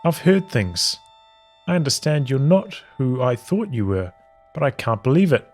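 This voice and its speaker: A man reading journal entries from a visual novel aloud as storytelling, in measured, halting phrases with pauses. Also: medium pitch, very animated, faint music behind.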